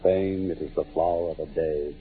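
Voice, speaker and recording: Casting: wisecracking adventurer-writer, low voice, muffled vintage radio. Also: male voice, fairly even intonation, moderate pace, soft background music. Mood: wry, casual. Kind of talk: 1940s radio acting. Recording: muffled old radio recording.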